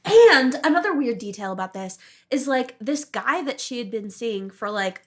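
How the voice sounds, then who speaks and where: A woman's voice: fairly high pitch, animated, normal speed. A woman co-hosting a podcast, chatting casually and jokily as she retells a story. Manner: informal and jokey, often laughing. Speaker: podcast co-host. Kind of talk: casual chat, retelling a true-crime case.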